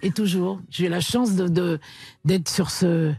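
A woman's voice: lowish voice, fairly even intonation, slow, warm tone, breathy edge, dry recording, studio quality. A woman being interviewed on a radio show as a composer, answering in a cheerful, chatty way. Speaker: musician and composer guest. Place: radio studio.

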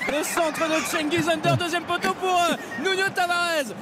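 Guy doing excited football commentary, super high voice, repeats himself, big stadium crowd roaring behind. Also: normal speed, very noisy. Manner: exclamatory, repeats phrases when excited. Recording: radio broadcast over loud stadium crowd, music.

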